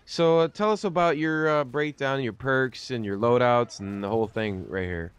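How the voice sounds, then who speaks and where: A man's voice: medium pitch, moderate pace, clean tone. A man hosting a gaming video in a casual, rambling interview style, using a lot of slang. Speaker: host of a gaming video series. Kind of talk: casual interview over game commentary.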